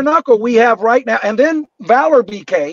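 This man has a Southern US accent and a high-pitched, energetic, enthusiastic delivery. He keeps a moderate pace, and the sound is dry with no echo. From Nashville, Tennessee. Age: 50s. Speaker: combat sports manager and former bare knuckle fighter. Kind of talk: interview answer. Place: car. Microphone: video call.

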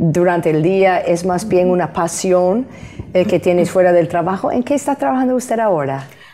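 Against light background noise, a woman with an English accent speaks at a moderate pace with lively intonation. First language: English (speaking Spanish). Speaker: talk show host, lawyer and politician; talk-show host. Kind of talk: interview. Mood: warm, friendly. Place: studio. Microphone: lapel.

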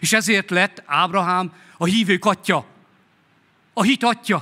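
Against a quiet background, a man speaks very slowly in a raised, projected voice with a bright, sharp tone. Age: 50s. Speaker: guest preacher. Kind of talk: sermon. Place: church. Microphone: podium.

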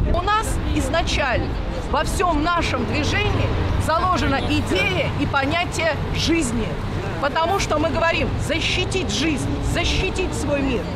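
A woman's fairly slow speech with long, frequent pauses and music in the background. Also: ordinary pitch variation. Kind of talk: impassioned street speech. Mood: earnest, argumentative. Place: street.

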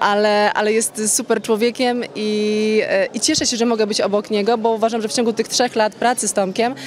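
A woman talks at a fairly quick pace with fairly high pitch. The sound is dry with no echo, and there is light background noise. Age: 20s. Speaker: TV presenter; television presenter. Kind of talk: interview. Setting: outdoors at racetrack event. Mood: warm, reflective. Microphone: handheld.

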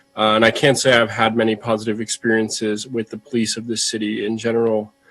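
Music plays behind a man with an American accent at medium pitch. He talks at a very fast pace in a monotone, flat delivery. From Cambridge, Massachusetts. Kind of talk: public testimony.

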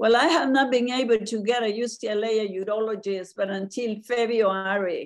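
With hardly any pauses, a woman speaks in a normal speaking voice at a moderate pace and with fairly even intonation. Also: fairly high pitch for a woman. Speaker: patient; audience member. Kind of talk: question to doctor. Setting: video call. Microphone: video call.

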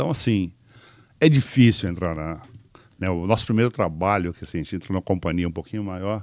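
This man's voice sits at a very deep, low pitch with ordinary pitch variation. He leaves long, frequent pauses. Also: fairly quick pace. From Brazil, Goiás interior. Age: 70s. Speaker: business owner. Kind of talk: podcast interview.

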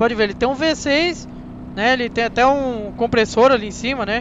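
Noticeable background noise surrounds a man with a Brazilian accent whose extremely high pitch shows ordinary variation. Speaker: gaming youtuber. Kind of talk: gameplay commentary. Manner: animated.

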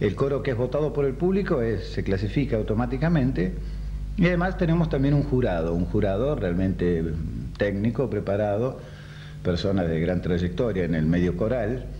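Over light background noise, a man with a fairly low voice speaks with very wide pitch swings. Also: moderate pace. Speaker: guest. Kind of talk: interview answer. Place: studio.

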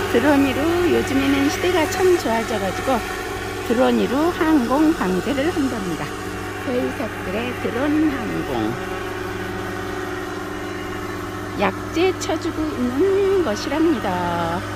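Over loud background noise, a woman speaks very slowly with long, frequent pauses, the sound dry with no echo. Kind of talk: casual vlog commentary. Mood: amazed, pleased. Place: open country. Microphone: phone near.

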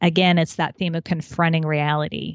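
A woman's fairly low voice, an ordinary speaking voice, with fairly even intonation. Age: 40s. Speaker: astrologer. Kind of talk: casual chat.

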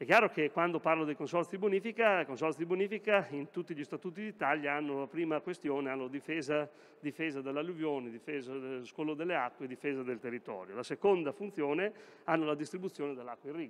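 A man talks at a very fast pace. His pitch sits fairly high, with ordinary variation. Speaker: land reclamation consortium president; speaker. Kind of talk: conference speech. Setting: stage with audience. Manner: rhetorical. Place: hall. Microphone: podium.

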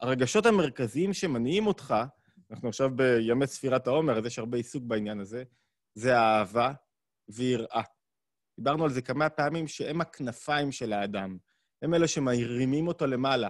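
A man of medium pitch talks at a moderate pace with lively intonation and long, frequent pauses. The sound is dry with no echo, over a quiet background. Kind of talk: online lecture. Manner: moving around while speaking. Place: home room. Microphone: studio mic.

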